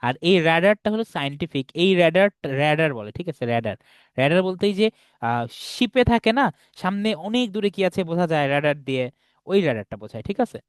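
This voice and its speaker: A man's voice: on the high side, big pitch swings, fast talker, clear, resonant tone, no echo. A man teaching an English class online, explaining patiently and checking often that students follow along. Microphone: video call.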